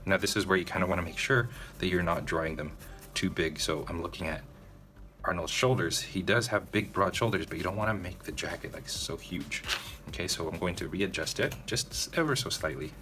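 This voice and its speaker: Low-pitched, brisk and sharp, a man's voice narrates a drawing tutorial as faint music plays. He keeps things casual, talks to viewers directly, and checks in with them often by saying "okay?"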